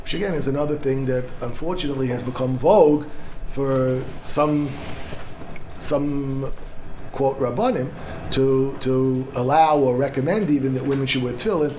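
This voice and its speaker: A man's voice: medium pitch, fairly even intonation, normal speed, dark tone, slight background noise, poor audio. A middle-aged man teaching a class on Jewish law as a rabbi, discursive and full of Hebrew legal terms, often restarting his sentences. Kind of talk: lecture on Jewish law with audience questions.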